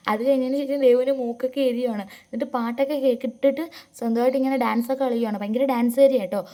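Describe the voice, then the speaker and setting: Woman vlogger, Keralite accent, quick rambling chatty voice-over, slightly high and mellow. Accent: Keralite Malayalam. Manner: chatty, rambling, frequent asides to viewers. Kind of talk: voice-over narration of a family vlog. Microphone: close voice-over mic.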